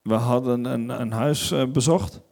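A man's voice: mid-range voice, steady tone, unhurried, vocal fry, a little mellow. A man interpreting a sermon live, relaying each phrase with occasional hesitations and restarts. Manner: hesitant fillers and restarts while translating.

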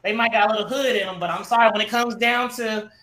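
A man's voice: high-pitched, fairly even intonation, fast talker, pushed and bright, roomy sound, a little hiss or hum. A man giving his take in a casual sports talk show, emphatic and casual. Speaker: co-host.

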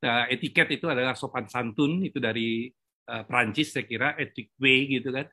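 A man takes his turn in a panel discussion. He speaks in a lecturing tone and mixes in English terms. His voice is bright and forceful. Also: medium pitch, brisk. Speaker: panel participant. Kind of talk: discussion talk.

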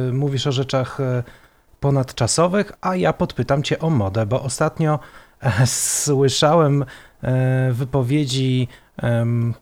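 A man, the interviewer, asking measured, probing questions. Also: mid-range voice, darkish tone.

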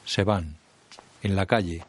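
A man reading scripted audio description of a film in a calm, neutral way. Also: low-pitched, slow. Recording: narration over noisy film soundtrack with crowd.

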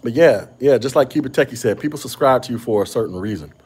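Husky-voiced guy hosting a podcast, stumbles and restarts a lot, slight stutter. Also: medium pitch, animated, fast talker, a little mellow. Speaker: podcast host. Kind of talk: casual podcast chat. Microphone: podcast microphone.

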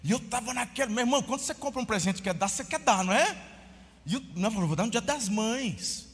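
Animated high-voiced pastor preaching in a hall. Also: male voice, quick pace. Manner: animated storytelling, shouting at peaks, addresses listeners as brother. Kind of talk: sermon.

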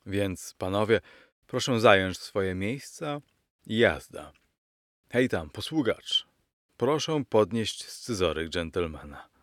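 A man's voice: lowish voice, expressive, slow, a bit bright, no echo, clean studio sound. A man voicing a bold, unflappable middle-aged uncle who speaks in a cool, commanding, mocking way, in an audiobook.

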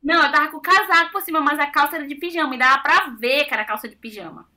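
A young Brazilian woman chatting casually, telling stories with animated, self-mocking exclamations. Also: high voice, very fast. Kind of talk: casual chat.

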